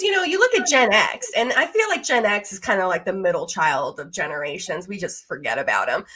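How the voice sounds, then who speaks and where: An American woman speaks in an average-pitched voice, as in a podcast discussion. She is expressive and emphatic, leaning on her points in a conversational way. She sounds like someone in her thirties. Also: breathy edge.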